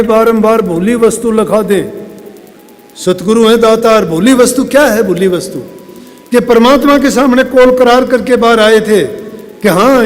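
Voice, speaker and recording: A man's voice: very high voice, darkish tone, big-room sound. A man giving a devotional sermon, urging his listeners and acting out the dialogue in the stories he tells. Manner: exhorting, acts out quoted dialogue. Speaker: satsang preacher.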